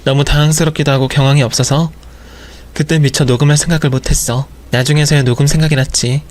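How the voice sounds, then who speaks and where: A man voicing an apologetic older mother confessing to her son in a slow, regretful manner. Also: medium pitch, natural voice. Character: apologetic older mother-in-law, soft-spoken. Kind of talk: audio drama storytelling.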